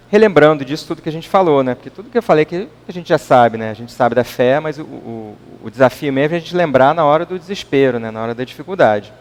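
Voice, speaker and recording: A man with a Brazilian accent giving an informal public talk at a spiritist center, speaking conversationally and often tagging his sentences with a questioning "right?". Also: fairly high pitch. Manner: conversational, keeps adding questioning tags. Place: meeting hall. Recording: long reverb in a hall.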